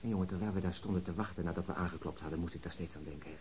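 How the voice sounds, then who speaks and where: A man's voice: sits low, steady tone, racing, darkish tone, a little hiss or hum, lightly acted. An actor playing a talkative, colloquial policeman telling an exasperated anecdote in a radio drama. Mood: wry, relishing. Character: chatty, food-loving policeman recounting a botched raid. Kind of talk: Dutch radio drama acting, conversational storytelling.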